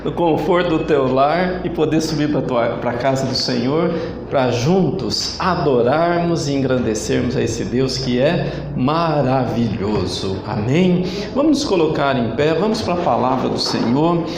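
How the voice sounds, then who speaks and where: A man's voice: mid-range voice, lively intonation, gravelly, reverberant, background noise. A man from Brazil with a Brazilian Portuguese accent, preaching an online sermon as church leader and calling for answers from the congregation. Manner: slow, emphatic preaching with call-and-response. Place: church hall.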